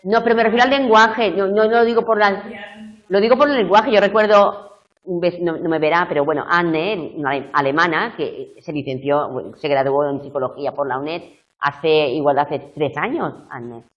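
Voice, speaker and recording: A middle-aged woman with a low voice and moderate pace runs a university tutorial lecture over live video. She takes the material one step at a time and checks in with students often, heard through muffled lo-fi classroom audio.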